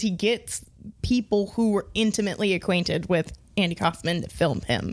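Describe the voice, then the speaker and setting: A woman with an American accent, medium pitch, ordinary pitch variation and a moderate pace. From Southern California, Long Beach. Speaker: comedian. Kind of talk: casual chat.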